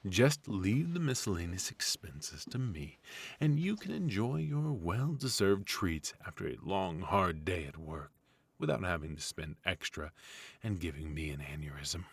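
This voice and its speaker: Male actor as retired villain husband, very low-pitched, slow drawn-out phrasing, smug, fussy, mock-sinister, comedic ASMR roleplay. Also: big pitch swings, husky, no echo, full character voice. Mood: teasing, exasperated.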